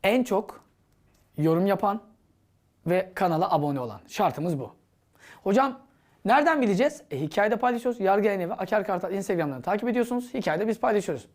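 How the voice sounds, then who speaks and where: A woman's voice: mid-range voice, expressive, fairly quick, darkish tone. A woman teaching an exam-prep grammar lesson, asking herself questions and answering them in a playful, chatty way. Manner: playful, chatty classroom banter.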